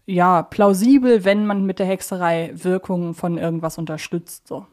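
A woman's voice: lowish voice, steady tone, normal speed, a little mellow. A woman, co-hosting a podcast and talking things through in a casual, reasoned, explanatory way. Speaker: podcast co-host. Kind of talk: casual fan discussion.

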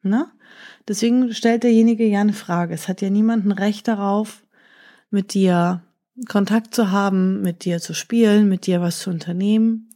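A woman's voice: mid-range voice, fairly even intonation, normal speed. Brief: woman storyteller for kids, reads the tale, then explains it simply and directly. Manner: warm-hearted, plainly explaining to children, with fillers. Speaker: children's podcast host and storyteller.

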